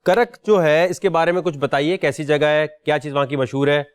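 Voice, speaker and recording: A man's voice: on the high side, fairly even intonation, clean tone, no echo. A man hosting a talent show audition, questioning a contestant in a teasing, pointed way. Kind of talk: probing audition interview.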